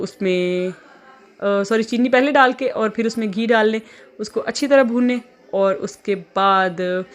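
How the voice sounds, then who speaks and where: Chatty Pakistani woman vlogging from home. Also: a little high. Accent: Pakistani Urdu. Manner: chatty, many filler pauses. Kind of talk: casual home vlog.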